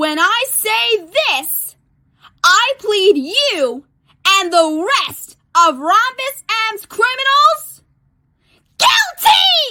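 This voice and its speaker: Shouting in a raised, projected put-on character voice, a woman speaks at an extremely high pitch with very wide pitch swings, a very slow pace and long, frequent pauses. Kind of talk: formal, dramatic declaration. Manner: shouting, accusatory, dramatic.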